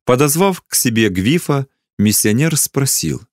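A man narrating a children's Christian story in a gentle, measured storytelling manner. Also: mid-range voice, lively intonation, dry recording, clean studio sound.

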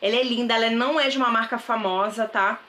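A woman's voice: fairly high pitch, fast, pushed and bright, a little hiss or hum. A woman in her thirties with a Brazilian Portuguese accent, chatting enthusiastically to viewers in a casual haul vlog, recorded on a close camera mic in a bedroom. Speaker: thrift vlogger. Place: bedroom with wardrobe, indoors.

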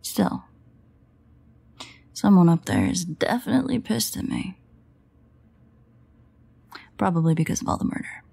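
An actress plays a female vampire in an intimate audio drama. Her voice sits low, with heavy fry and a husky, breathy edge. She grumbles sardonically, guilt and protectiveness under the sarcasm. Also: big pitch swings, measured pace, pauses often, dark tone, heavily acted. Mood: bitter, brooding. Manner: sarcastic, grumbling, hesitant asides. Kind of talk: intimate audio roleplay acting.

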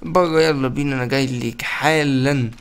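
Fast-talking Egyptian gamer man. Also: medium pitch, steady tone. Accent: Egyptian Arabic. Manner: playful, chatty, addresses viewers directly. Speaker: gaming YouTuber. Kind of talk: casual gameplay commentary.

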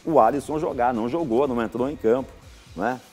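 Middle-aged Brazilian male pundit, mid-pitched voice, emphatic and repetitive, faint studio music under him. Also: fast, a little mellow. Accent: Brazilian Portuguese. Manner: emphatic, repeats points, folksy sayings. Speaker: football commentator. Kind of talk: live TV sports analysis.

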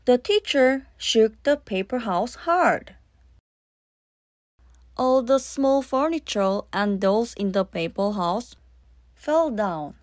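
A woman's voice: on the high side, expressive, slow pace, long pauses, no room sound, clean studio sound. A woman reading scripted narration for a children's audiobook. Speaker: storybook narrator.

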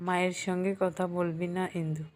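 A woman's voice: fairly low pitch, little pitch movement, brisk, darkish tone, a little hiss or hum, lightly acted. A woman voicing a fussy middle-aged mother who grumbles and reproaches, in an audio story. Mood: reproachful.

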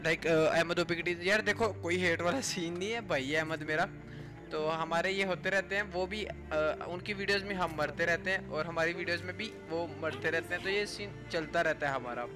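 This gaming YouTuber has a fairly high voice and speaks at a moderate pace. In a voice-over on mobile game footage, he casually explains the gameplay and relays what players said to one another, with music behind him.

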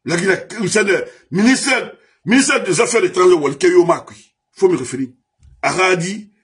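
Man, from Guinea, high voice, husky, impassioned political monologue, heated, repeated refrains, shouting bursts. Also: moderate pace.

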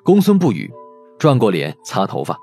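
A man's voice: lowish voice, huge pitch swings, moderate pace, warm tone, husky, soft background music. A man reading a novel aloud as a dramatic audiobook narrator.

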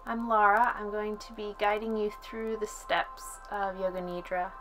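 A woman leading a guided relaxation as a yoga instructor, speaking in a calm, soothing way with long pauses. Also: medium pitch. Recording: soft music under the voice. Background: music.

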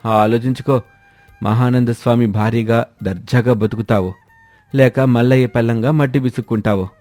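A man's voice: medium pitch, fairly even intonation, normal speed, darkish tone, dry recording, natural voice. A man playing a scheming idler husband who poses as a holy swami in a moral story, talking in a grandiose, persuasive, preachy way. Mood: scheming, boastful. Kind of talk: acted Telugu moral story dialogue. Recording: music behind a dry voice.

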